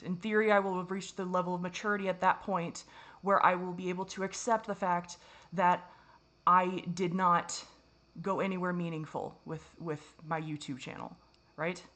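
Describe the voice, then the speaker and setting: Woman vlogger, lowish voice, raw confessional to-camera ramble, curses a lot, trips over her own sentences. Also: steady tone, normal speed, fairly bright tone. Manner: rambling, self-critical, profane, frequent restarts.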